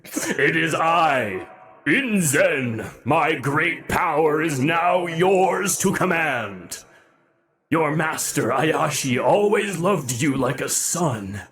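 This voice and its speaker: A man voicing an ancient cursed sword spirit that speaks in grand, slow proclamations. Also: fairly high pitch, lively intonation, a bit bright. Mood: commanding.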